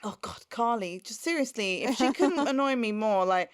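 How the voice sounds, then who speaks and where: A woman co-hosting a podcast, recapping a TV episode in casual chat, animated and sarcastic with frequent laughs. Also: a little high, moderate pace, smooth. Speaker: podcast co-host.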